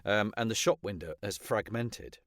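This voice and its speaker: A man hosts a casual interview. His voice is fairly low and he speaks conversationally. The recording is dry, with little room sound. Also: normal speed, fairly bright tone, no echo. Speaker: podcast host, voice actor.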